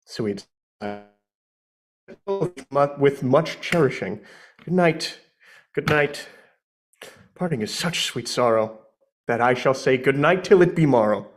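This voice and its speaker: A man's voice: medium pitch, animated, takes it slowly, pauses often. A man playing Juliet as an earnest, lovestruck young woman in a live amateur Shakespeare reading, with theatrical verse delivery. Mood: wistful, tender.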